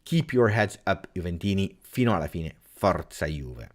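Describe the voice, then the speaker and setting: A man with an Italian accent chatting on a live stream as an emotional football fan, theatrical, with repeated phrases and dramatic pauses. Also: deep voice, sing-song. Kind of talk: casual live-stream chat.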